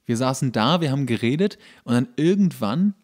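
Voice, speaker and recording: A man's voice: mid-range voice, lively intonation, a little fast, darkish tone. A man co-hosting a podcast, telling anecdotes in casual, colloquial, self-correcting speech. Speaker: podcast co-host.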